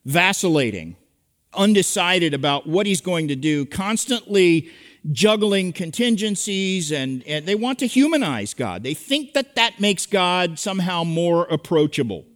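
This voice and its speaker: A man's voice: sits high, sing-song, measured pace. A man preaching an expository sermon to a congregation, earnest and emphatic as he teaches. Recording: echoey hall with long reverb.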